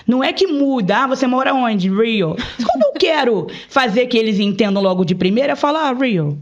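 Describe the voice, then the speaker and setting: Lively storytelling woman, lo-fi sound. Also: a little high, fairly quick. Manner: animated storyteller, acts out quoted dialogue. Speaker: bilingual program advisor. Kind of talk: casual podcast chat. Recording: dull lo-fi sound.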